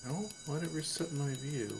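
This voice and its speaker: A man's voice: fairly high pitch, animated, normal speed, vocal fry, over music. A man playing a video game and chatting casually as he reacts to it. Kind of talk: casual gameplay chat.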